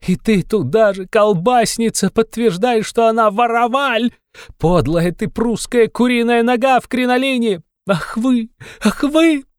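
A shrieking hysterical widow. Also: male voice, extremely high pitch, a little slow, smooth, dry recording, studio quality, voice pushed up. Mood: shrieking fury. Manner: shrieking, frantic, hurling insults.

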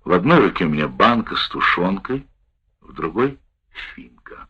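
Husky low-voiced male audiobook narrator. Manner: measured, expressive first-person reading. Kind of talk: audiobook narration of a wartime memoir. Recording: dull lo-fi recording.

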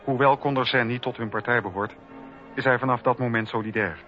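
A man's voice: medium pitch, fairly even intonation, brisk. A man narrating history from a script for a documentary radio play. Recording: dull radio recording with faint music.

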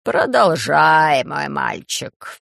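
A man voicing a sly, soft-spoken male tyrant ruler in an audiobook, speaking slowly in a hushed, purring way. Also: a little high, sing-song, vocal fry, dry recording, clean studio sound, full character voice. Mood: gentle menace. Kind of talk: audiobook character voice.

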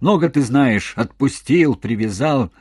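A cranky old village man with a hoarse voice, as the narrator puts him on, pitched higher and louder than the reader's own. He scolds and grumbles, ready to argue back. The sound is dry and close. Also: lively intonation, a little slow, dry recording. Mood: scolding.

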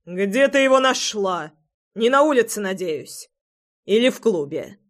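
A woman's voice: mid-range voice, animated, measured pace, lightly acted. A woman reading an audiobook, voicing a stern middle-aged father who demands answers.

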